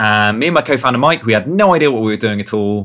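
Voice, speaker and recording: A man with a British accent, fairly low in pitch with a bright, sharp tone, at a fairly quick pace on a very clean recording with a silent background. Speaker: startup CEO and co-founder. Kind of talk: interview podcast. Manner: energetic.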